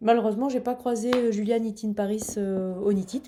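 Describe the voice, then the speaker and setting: Fairly quick speech from a woman amid noticeable background noise. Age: 50s. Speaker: knitting podcaster. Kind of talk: casual chat. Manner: hesitant, many filler sounds.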